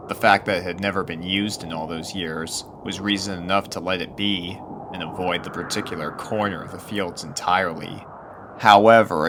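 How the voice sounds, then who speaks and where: Male storyteller for spooky fiction: very low pitch, deliberate dramatic pauses, slight background ambience. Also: noisy background. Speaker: narrator, fan fiction reader. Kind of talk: scripted spooky story narration.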